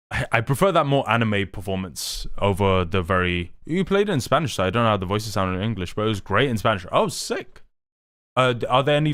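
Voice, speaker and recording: A man's voice: on the low side, fairly bright tone, clean tone, dry recording. Dry-sounding rambling young male streamer. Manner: rambling, enthusiastic, many restarts and fillers. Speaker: livestream host. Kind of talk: casual live-stream chat.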